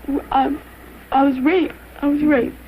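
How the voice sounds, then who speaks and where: An actress playing a shaken, hesitant nineteen-year-old victim speaking haltingly in a 1970s training film. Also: female voice, high voice, little pitch movement, dull audio. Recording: faintly noisy old film soundtrack.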